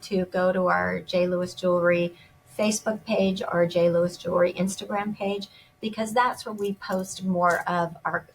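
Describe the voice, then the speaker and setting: A woman's voice: on the low side, slight background noise, rough recording. A woman gemologist and jewelry designer speaking as an interview guest, enthusiastic and often restarting her sentences.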